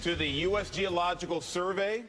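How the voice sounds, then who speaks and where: A man with a fairly high voice anchors breaking news live. He ad-libs his lines, with music clearly playing behind him. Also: moderate pace, fairly bright tone.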